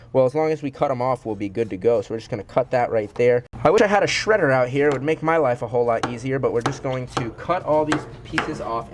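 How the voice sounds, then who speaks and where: A man's voice: fairly high pitch, noisy background. Congested young man presenting outdoors. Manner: energetic, repetitive "guys" address to viewers. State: congested from a cold. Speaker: zoo owner and vlogger. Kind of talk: enthusiastic vlog presenting. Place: outdoors at an animal food prep station. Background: birds screaming and monkeys.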